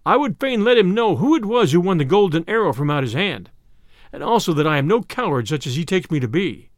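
A man's voice: high-pitched, very animated, a little fast, no room sound, studio quality. A man voicing a proud, indignant outlaw leader in a storybook, with earnest, old-fashioned speech. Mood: vexed, proud. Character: bold, vexed outlaw leader, proud archer. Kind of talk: storybook character dialogue.

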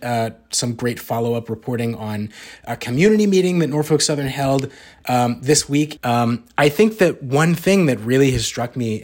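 A man's voice: medium pitch, darkish tone. A man co-hosting a local news podcast, talking through a story in a conversational way with frequent ums. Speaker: podcast co-host. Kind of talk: casual news discussion.

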